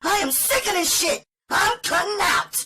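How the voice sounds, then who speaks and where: Casting: actress as young female street hustler, high voice, emphatic and streetwise, audiobook drama. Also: expressive, normal speed. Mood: furious, defiant. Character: young defiant female street prostitute, brash and pleading. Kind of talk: dramatized audiobook character acting.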